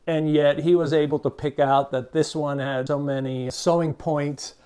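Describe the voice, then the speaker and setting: An older man, born in Cuba and raised in Miami, with a Cuban-American accent, speaking to camera as a behavior expert in a measured, unhurried way with frequent "uh" fillers. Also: on the high side, steady tone, dark tone, smooth. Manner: measured, unhurried, with many "uh" fillers and small restarts. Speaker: behavior expert, channel host. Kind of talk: reflective talk to camera.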